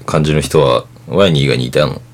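A man's voice: a bass voice, fast talker. A man co-hosting a casual podcast chat, listening attentively with frequent short responses. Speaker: band bassist, podcast co-host.

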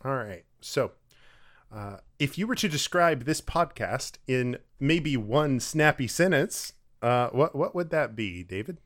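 A man's voice: medium pitch, a little slow. Late-twenties man from Texas, podcast co-host, easygoing, rambling delivery with fillers. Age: 20s. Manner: relaxed, rambling, with fillers and light laughs. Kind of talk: casual podcast chat.

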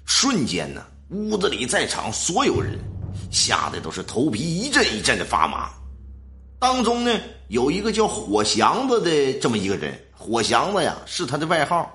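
Lively storyteller man. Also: mid-range voice, moderate pace, a little hiss or hum. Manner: colloquial, dramatic storytelling. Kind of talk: ghost story narration.

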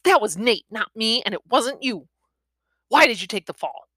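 A woman's voice: fairly high pitch, animated, normal speed, sharp tone, dry recording, studio quality, voice pushed up. A woman voicing a foul-mouthed, confrontational young female bully in her twenties from a novel, growling and accusing. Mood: furious, menacing.

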